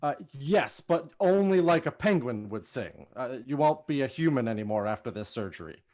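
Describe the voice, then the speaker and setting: A man's voice: mid-range voice, expressive, moderate pace, darkish tone, voice pushed down, close to an everyday voice. A man playing an earnest, hesitant surgeon in improvised comedy, speaking matter-of-factly. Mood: earnest, clinical. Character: earnest, halting surgeon calmly planning absurd operation.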